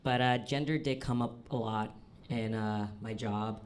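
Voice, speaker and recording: A young trans man telling self-deprecating stand-up stories on a comedy club stage, halting often with ums and uhs. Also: fairly even intonation. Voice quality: fairly low, manly voice. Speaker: stand-up storyteller. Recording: live club recording with audience noise. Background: audience laughter.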